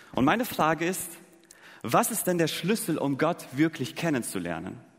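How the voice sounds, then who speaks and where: The speaker uses lively intonation with vocal fry. The pace is moderate. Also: man. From Germany. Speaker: preacher. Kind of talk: sermon.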